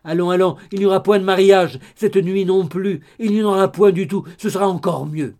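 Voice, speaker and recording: Guy doing a loud gossipy mom in an audiobook, higher and mellow, never stops talking. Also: steady tone, a little fast. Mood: gushing. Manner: chattering, exclamatory, loud. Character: gossipy indiscreet middle-aged mother, excitable. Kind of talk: audiobook character reading.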